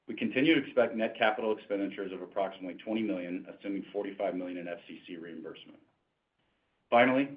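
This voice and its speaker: A man reading a scripted financial report as a company executive, in a formal corporate manner, on a conference call. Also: low voice. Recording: narrow tinny conference phone line.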